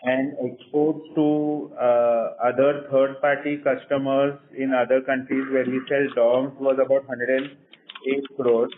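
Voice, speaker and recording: A man's voice: medium pitch, little pitch movement, slight background noise. Indian-accented male executive on a tinny phone line. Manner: measured, explanatory, frequently saying "you know". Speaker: company executive answering analyst questions. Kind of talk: earnings call Q&A. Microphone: phone conference call. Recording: tinny, narrow-band conference phone line.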